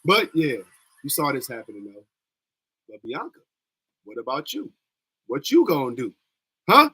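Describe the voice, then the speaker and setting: A man's voice: mid-range voice, huge pitch swings, moderate pace, bright, forceful tone, slightly rough. A young man with a scratchy voice, chatting loosely in slang as he hosts a livestream. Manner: loose, slangy, rambling talk. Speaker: streamer hosting a wrestling watch-along. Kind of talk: casual livestream chat.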